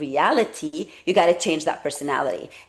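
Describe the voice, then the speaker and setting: Speaking at a moderate pace, a woman with a non-native accent has an animated tone. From immigrant, came to the country at seventeen. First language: not English. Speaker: podcast co-host, speech language pathologist and coach. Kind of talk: casual chat.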